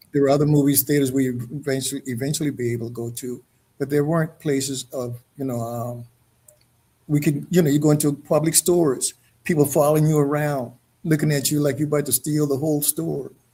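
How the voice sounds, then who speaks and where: A somewhat breathy man with a dark, mellow tone and a Charleston accent, at a fairly quick pace. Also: fairly high pitch for a man, fairly even intonation. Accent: Southern US, Charleston. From US South, Charleston, South Carolina. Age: 70s. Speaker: heritage association leader. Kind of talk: interview conversation.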